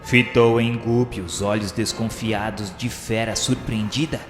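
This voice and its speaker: A man's voice: fairly low pitch, steady tone, unhurried. A man with a Brazilian accent reading a scripted dramatic narration in a solemn, formal, literary manner. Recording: reverberant hall effect, music behind. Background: music.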